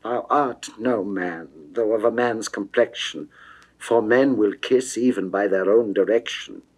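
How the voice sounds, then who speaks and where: A man's voice: on the low side, a little slow, a little mellow, breathy edge. A man voicing a lovesick, seductive goddess who pleads and coaxes in theatrical classical verse. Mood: scornful pleading. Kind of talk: classical dramatic verse reading.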